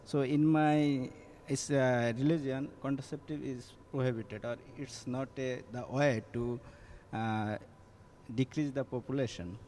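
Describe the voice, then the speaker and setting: A man's voice: medium pitch, steady tone, measured pace, darkish tone, a little hiss or hum. A young man from Bangladesh, arguing on a student panel while searching for words. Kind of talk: panel discussion.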